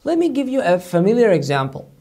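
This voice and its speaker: A man with a high, creaky, warm voice and huge pitch swings teaches a recorded online language lesson. Patient and explanatory, he slowly repeats each sound several times to demonstrate it.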